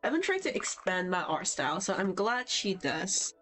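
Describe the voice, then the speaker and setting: Young woman, Cantonese speaker, chatty art streamer, mid-pitched voice, faint music behind. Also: sing-song, moderate pace, a bit bright. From Hong Kong. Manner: chatty and rambling, answers viewer chat as she works. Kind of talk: casual livestream chat while drawing. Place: at home on vacation. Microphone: poor-quality mic.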